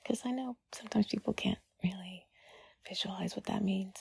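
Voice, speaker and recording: A woman giving intimate whispered comfort talk, soothing and gently reassuring, in a breathy, husky whisper with drawn-out pauses. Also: medium pitch, no echo. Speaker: audio creator speaking to the listener.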